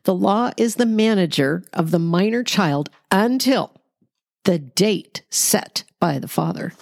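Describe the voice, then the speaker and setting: A woman's voice: medium pitch, animated, a little slow, vocal fry, darkish tone, dry recording. Woman, mid-range voice, Bible study host, explanatory, emphatic, conversational teaching, dry acoustics.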